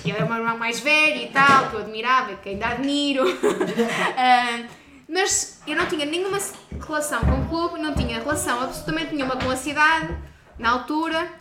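A woman with a European Portuguese accent chatting casually, telling things in an informal, animated way. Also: high voice, brisk. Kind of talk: casual chat. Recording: noisy echoey room with kitchen clatter.

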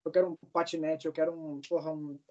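A young man in his early twenties chats casually in an interview. He rambles through his stories with plenty of fillers and the odd swear word, in a voice that sits a bit high for a man. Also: little pitch movement, quick pace, a little mellow, dull audio. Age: 20s. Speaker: guest, singer.

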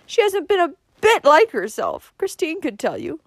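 A woman's voice: high voice, wildly swooping pitch, normal speed, fairly bright tone, no echo, clean studio sound, voice pushed up, full character voice. Woman playing a sobbing, put-upon older mother. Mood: tearful, worried. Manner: sobbing, moaning, plaintive.

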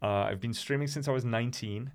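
A man's voice: mid-range voice, fast talker. A man of twenty-five with a somewhat Americanized English accent, hosting a casual solo podcast in a meandering, slightly nervous way with many restarts. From England. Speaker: podcast host and streamer.

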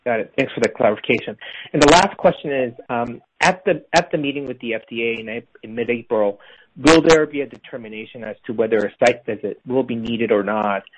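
A male financial analyst asks probing questions politely and a little haltingly on a conference call. His voice sits at a medium pitch, with clear noise and clicks on the line. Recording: noisy phone-in call with clicks.

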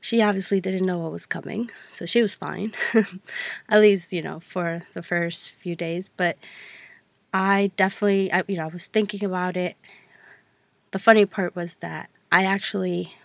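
Chatty woman with a gravelly, dry voice. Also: lowish voice, steady tone, normal speed, dry recording. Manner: chatty, rambling, self-correcting with many fillers. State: stuffy-voiced from allergies. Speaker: podcast host. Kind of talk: casual solo podcast talk.

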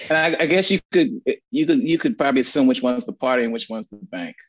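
A man being interviewed as an agency strategist, telling stories in a blunt, animated way with lots of swearing and repeated words. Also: medium pitch, fast, lo-fi sound, a little hiss or hum. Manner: animated storytelling, frequent profanity and repetitions. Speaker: guest, agency founder and strategist. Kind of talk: casual podcast interview.

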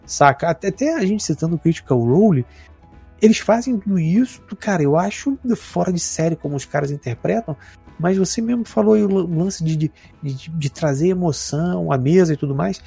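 A man with a Brazilian accent, chatting casually on a podcast in a relaxed, rambling, slangy way. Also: fairly high pitch, brisk, creaky, slightly rough, soft background music. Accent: Brazilian Portuguese. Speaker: podcast co-host. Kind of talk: casual chat about tabletop games.

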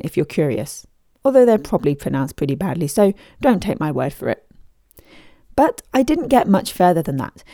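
A woman's voice: lowish voice, dark tone, no room sound, studio quality. A woman narrating a podcast in the first person, reading scripted storytelling as its host.

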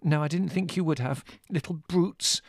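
A man's voice: fairly high pitch, normal speed, creaky, no echo, studio quality, pitched above the performer's own voice. A man voicing a fussy, agitated old colonel who blusters in clipped phrases.

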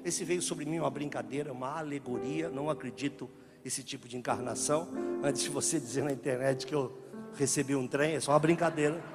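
A man with a Brazilian Portuguese accent preaching a sermon as a joking, animated story, acting out the dialogue as he goes. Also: medium pitch, fairly quick. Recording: reverberant hall with music behind.

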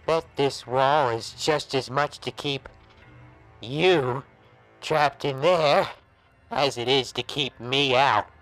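An actor playing a monstrous transformed old pal in a noir horror audio drama, taunting and warning in drawn-out, insinuating gangster slang. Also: male voice, mid-range voice, a bit bright, faint music behind, rough recording. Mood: sly, accusing.

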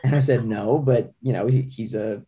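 A man with a mellow, dark-toned voice of average pitch speaks as an interview guest. He is an actor. He tells his story in an easy, laid-back way. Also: normal speed. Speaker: actor, cast member guest. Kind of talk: casual interview chat.

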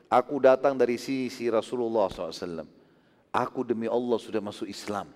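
A man voicing a grave, honest male warrior in a retold story, speaking lower and more quietly than his narration. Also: quick pace, close to an everyday voice. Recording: long hall reverb.

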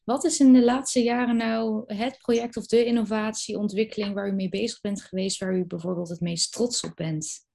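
Mellow-voiced woman interviewer. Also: mid-range voice, steady tone, normal speed, creaky. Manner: formal, hesitant questioning. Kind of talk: polite interview questions.

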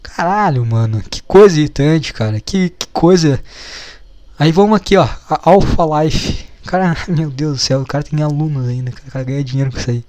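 A man's voice: a little high, expressive, a little fast, a little mellow, no room sound. A man giving casual reaction commentary, mocking and exasperated, swearing often. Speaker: video commentator.

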